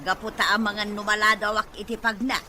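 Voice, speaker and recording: A woman's voice: mid-range voice, level tone, a little fast, pushed and bright, slight background noise. A woman playing a grumbling, money-minded Filipino grandmother who likes to gamble, in an Ilocano audio drama. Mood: eager.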